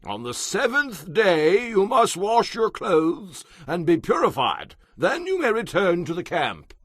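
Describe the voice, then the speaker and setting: A high-voiced ceremonial priest. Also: male voice, huge pitch swings, a bit bright, husky, no room sound, studio quality, exaggerated voice. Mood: solemn, instructive. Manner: deliberate, ceremonial. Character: Eleazar, solemn male priest instructing soldiers in ritual law. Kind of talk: dramatized audio Bible acting.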